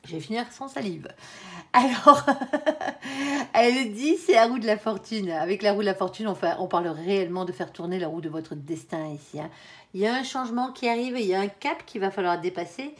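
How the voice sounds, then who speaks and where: In a mid-range voice at a fairly quick clip, a woman reads tarot casually for viewers. Her talk is colloquial and chatty, thick with "hein" and "euh," with "mon ange" for the viewer, plus thinking aloud, laughter and self-corrections as cards turn over.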